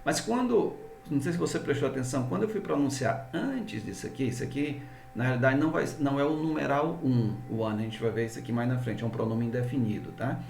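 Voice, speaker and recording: This English teacher with a Brazilian Portuguese accent talks fast at a medium pitch, with vocal fry and a slightly mellow quality. In his grammar lesson he explains step by step and often checks in with students, and the distant mic picks up reverberation and a little hiss or hum.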